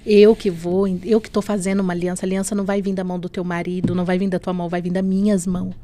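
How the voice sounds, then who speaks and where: A woman's voice: fairly low pitch, little pitch movement, quick pace, warm tone. A woman from Brazil telling her personal faith testimony as a podcast guest, earnest and emotional, often adding "né?". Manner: earnest, often adds "né?" and "assim".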